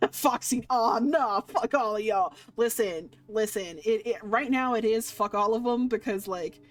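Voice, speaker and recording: A woman streamer playing a visual novel, reacting casually in a playful, slangy and expressive way. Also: fairly high pitch, a little slow. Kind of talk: animated read-aloud with casual reactions. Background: game music.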